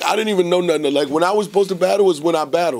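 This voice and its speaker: Here a man speaks with a New York accent. His pitch is high. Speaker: battle rapper; podcast guest. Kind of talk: casual interview. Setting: studio. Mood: relaxed, boastful storytelling. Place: studio. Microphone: studio mic.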